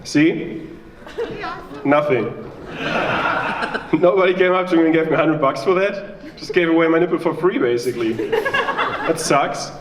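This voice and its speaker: A man's voice: on the high side, big pitch swings, unhurried, long pauses, echoey room, distant mic. A young man from Germany with a German accent, doing a chatty, self-mocking stand-up set and bantering with the crowd. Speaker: stand-up comedian. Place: small live venue with audience.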